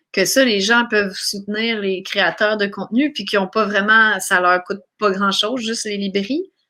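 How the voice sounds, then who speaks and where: Recorded very cleanly against a silent background, a woman speaks at a moderate pace in a fairly high pitch with a bright, sharp tone. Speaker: singer-songwriter and YouTuber. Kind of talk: casual interview chat.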